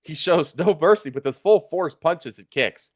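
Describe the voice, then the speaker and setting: Male streamer reading amateur fiction live: higher-pitched, animated, irreverent, loose with stumbles and asides. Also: normal speed, dry recording, studio quality. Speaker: streamer, host. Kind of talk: live fan fiction reading with offhand comments.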